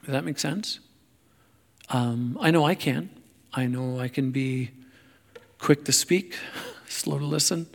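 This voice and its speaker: A man preaching a sermon in a halting, self-deprecating way, searching for his words as he goes. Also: mid-range voice, creaky. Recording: long hall reverb.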